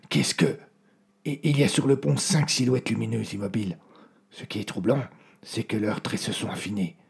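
A man tells a suspense story in a hushed, dramatic voice. His voice is low and gravelly. It is also very husky and breathy.

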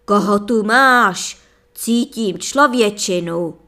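Woman doing a loud, proud fairy-tale sorcerer, slow and commanding. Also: mid-range voice. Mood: suspicious roaring. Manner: bellowing, slow and demanding. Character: menacing male sorcerer, gruff, suspicious, iron-eating.

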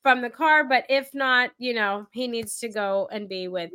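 A woman's voice: a little high, normal speed, bright, forceful tone, clear, resonant tone. A woman from Texas hosting a podcast in casual chat, sounding nasal from hay fever and filling her talk with "like". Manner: chatty, upbeat, many "like" fillers. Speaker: podcast host.

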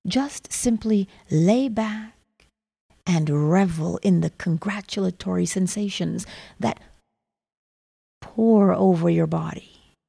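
Slow, creaky woman guiding a meditation. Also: on the low side, mellow. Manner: slow, soothing, breathy phrase endings trailing toward a whisper. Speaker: guided meditation host. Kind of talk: soft guided meditation narration. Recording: long reverb on the voice.

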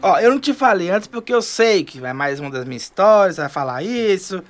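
A man's voice: sits high, fairly quick, faint music behind. An actor with a rural northern Minas Gerais accent playing a folksy, superstitious male riverboat guide in an audio drama, talking colloquially. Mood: uneasy. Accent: Brazilian, rural northern Minas Gerais. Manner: colloquial, animated storyteller.

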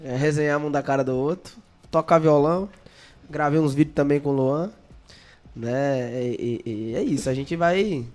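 A young songwriter guest from Bahia, Brazil, talks at normal speed in a slightly high, darkish voice with a Bahian Brazilian Portuguese accent. The interview is a casual chat full of jokes, and he regularly stammers over repeated words.

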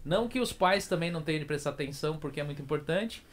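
A man with a slightly high pitch speaks to viewers of a livestream. His delivery is loose and informal. He slips in jokes as he makes his announcements. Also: expressive, rapid-fire, a little hiss or hum. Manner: joking, informal. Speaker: livestream co-host.

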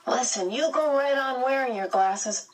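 A gentle teenage boy in a storybook, speaking in a slow, reassuring way, as a woman reader gives him voice. Her voice is slightly husky and sits away from the mic. Water sounds drift in faintly. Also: high voice, recorded from a distance, voice pushed up, poor audio.

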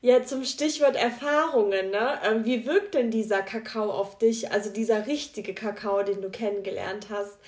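A woman's voice: mid-range voice, moderate pace, hardly any pauses, darkish tone, reverberant. A woman hosting a podcast, asking friendly, curious questions. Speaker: podcast host. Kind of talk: interviewing.

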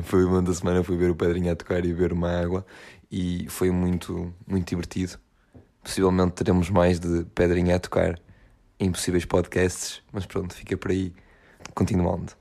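A man's voice: deep voice, vocal fry, mellow. A young man with a European Portuguese accent hosts a podcast in casual, slangy chat, repeating his points with enthusiasm. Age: young adult. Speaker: podcast host.

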